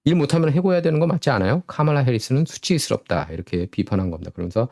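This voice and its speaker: A man's voice: mid-range voice, lively intonation, rapid-fire, vocal fry, darkish tone. A man hosting a solo political commentary show, sarcastic and full of rhetorical questions.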